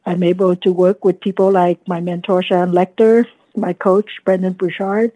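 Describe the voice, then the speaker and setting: A woman in her fifties from Vietnam, a guest telling her story in an earnest, reflective way, often pausing with "you know.". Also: fairly low pitch, little pitch movement, no echo, narrow, tinny audio. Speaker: guest, dentist and coach. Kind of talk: casual podcast interview.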